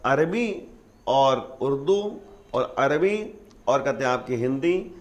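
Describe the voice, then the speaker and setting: A man's voice: medium pitch, expressive. Male religious scholar; patient, step-by-step explainer. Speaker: Islamic scholar. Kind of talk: religious teaching in conversation.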